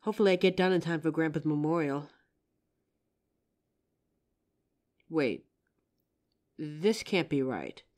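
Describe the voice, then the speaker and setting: Woman acting as a young female psychic, slightly low voice, earnest, confident, helpful, roleplay audio drama. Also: animated, normal speed, darkish tone. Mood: musing. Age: young adult. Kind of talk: scripted roleplay audio acting, addressing the listener.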